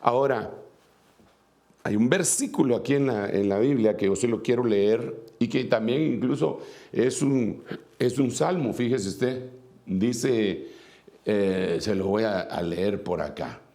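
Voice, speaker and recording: Gravelly Guatemalan preacher man. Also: fairly low pitch, measured pace, mellow. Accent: Guatemalan Spanish. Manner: earnest, repeats phrases for emphasis, fillers and restarts. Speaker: apostle and preacher. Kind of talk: sermon.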